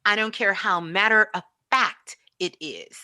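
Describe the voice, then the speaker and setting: A woman's voice: medium pitch, a little slow, bright, forceful tone. A woman giving an impassioned spiritual talk as a guest teacher, emphatic and repetitive like a preacher.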